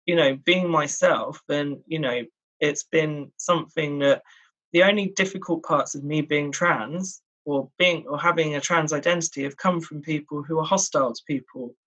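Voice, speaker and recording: A man speaking as an interview guest, reflective and measured, filling pauses with "you know" and "um". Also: on the high side, a bit bright, rough recording. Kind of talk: casual conversational interview.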